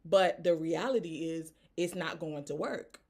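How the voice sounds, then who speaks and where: Woman coach, Haitian accent, lowish voice, earnest and direct, keeps checking in with "right?". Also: a little slow, a little mellow. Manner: earnest, tags statements with "right?". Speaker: business coach. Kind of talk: motivational talk to camera.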